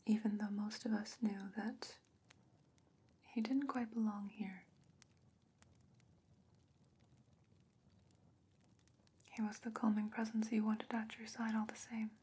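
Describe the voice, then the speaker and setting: A woman playing a calm, knowing sorceress in a fantasy ASMR roleplay, speaking in a hushed, breathy, deliberate whisper. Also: medium pitch. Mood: solemn, reverent.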